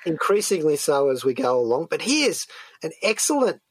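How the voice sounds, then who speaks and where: A man's voice: on the high side, big pitch swings, brisk, slightly rough, no room sound. A man hosting a radio show, chatting through an enthusiastic, discursive review. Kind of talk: conversational TV review chat. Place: dry radio studio.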